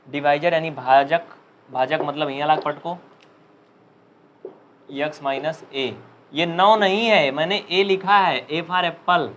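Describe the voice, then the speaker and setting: Young male maths tutor, UP Hindi accent, slightly high voice, playful, faint hiss behind. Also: a bit bright. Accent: Uttar Pradesh Hindi. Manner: chatty, joking, dictates slowly. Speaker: maths teacher. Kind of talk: live online class.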